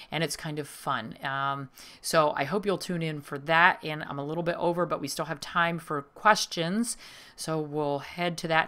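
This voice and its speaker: A woman puts on a raspy character voice with a very deep, low pitch and ordinary pitch variation, at a moderate pace. The recording is very clean with a silent background. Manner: fast talking.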